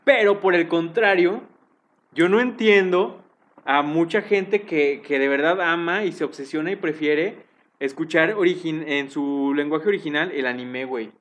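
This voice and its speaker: A Mexican man chatting casually with friends. His voice sits a touch high, and his talk is loose and slangy, full of filler. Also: normal speed, a bit bright. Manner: slangy, says güey constantly. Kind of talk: casual chat.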